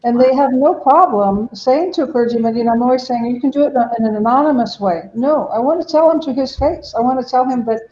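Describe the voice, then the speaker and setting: Woman guest, raised in Mexico, earnest and explanatory, mellow timbre, echoey lo-fi remote line. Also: sits high, fast, hardly any pauses, slight background noise. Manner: earnest, explanatory, acts out quotes. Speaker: ministry director, guest. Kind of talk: podcast interview. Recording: dull, roomy remote audio.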